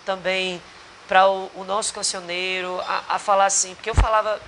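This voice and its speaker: A man's voice: sits high, level tone, moderate pace, fairly bright tone, a little hiss or hum, low-quality recording. A man with a Potiguar accent from northeastern Brazil, a singer and actor talking earnestly in a rambling interview with many restarts. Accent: Potiguar Brazilian Portuguese. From Rio Grande do Norte, Brazil. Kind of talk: casual interview chat. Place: bar.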